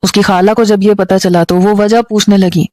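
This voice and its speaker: A woman storyteller with a Pakistani Urdu accent reading a dramatic story in a steady, emotive way. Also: medium pitch, no room sound.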